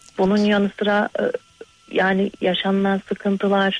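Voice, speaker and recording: Fairly slow female speech over noticeable background noise. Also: dry, close sound with no echo. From Kayseri, Turkey. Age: 30s. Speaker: caller, widow. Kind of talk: emotional phone call to radio show.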